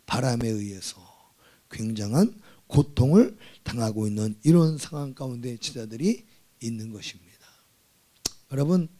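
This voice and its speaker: A male pastor preaching a Sunday sermon, moving between hushed personal storytelling and loud, drawn-out shouted climaxes. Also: a little high. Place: church sanctuary.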